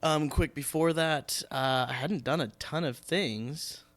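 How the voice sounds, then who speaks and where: A young man hosting a podcast interview, chatting informally and halting and restarting as he goes. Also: a little high, fairly bright tone. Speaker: podcast host. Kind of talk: casual interview chat.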